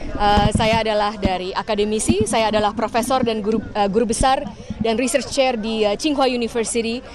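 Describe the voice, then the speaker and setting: Woman, professor, slightly high voice, articulate with fillers, press crowd noise. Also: fairly even intonation, fairly quick. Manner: articulate with many filler sounds. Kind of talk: self-introduction to press. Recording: noisy crowd of reporters.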